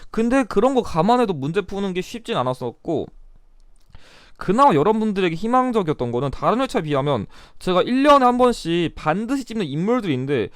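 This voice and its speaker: A man's voice: high-pitched, big pitch swings, brisk, no room sound, studio quality. A young man giving a blunt, chatty exam review lecture, still getting over a cold. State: recovering from a cold. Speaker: history exam tutor.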